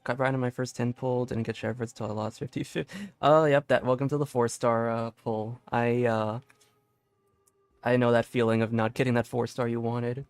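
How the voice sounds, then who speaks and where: A man's voice: medium pitch, little pitch movement, moderate pace, clean tone, no room sound. Casual male game streamer, dry close sound. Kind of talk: casual livestream gameplay chat. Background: faint game music.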